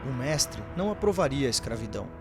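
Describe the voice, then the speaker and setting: A man's voice: medium pitch, very animated, fast. A man playing a patient, compassionate spiritual counsellor in a radio drama, speaking formally and earnestly like a preacher. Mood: earnest, reasoning. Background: music.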